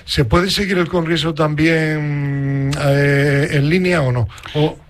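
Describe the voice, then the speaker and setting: A man's voice: on the high side, fairly even intonation, slow pace. A man from southern Spain hosting a radio interview, friendly and chatty with his guest. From Spain, Granada. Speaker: radio host.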